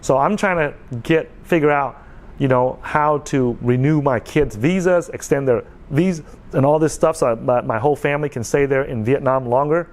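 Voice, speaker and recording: A man's voice: mid-range voice, moderate pace. A man in his forties talking casually to his viewers, earnest and repetitive, often checking in with "okay.". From United States. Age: 40s. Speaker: vlogger. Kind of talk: casual talk to camera.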